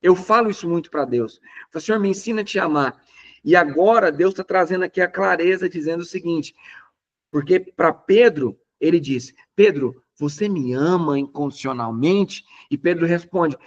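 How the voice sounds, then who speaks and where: A man with a Brazilian Portuguese accent preaching a lively, conversational sermon. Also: fairly high pitch, normal speed, dull audio. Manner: animated, emphatic, conversational preaching. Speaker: pastor.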